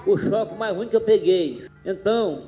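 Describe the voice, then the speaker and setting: A man's voice: high-pitched, lively intonation, moderate pace, dark tone, faint music behind. A toothless Brazilian man with slurred speech giving personal testimony as a witness. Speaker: witness recounting abuse.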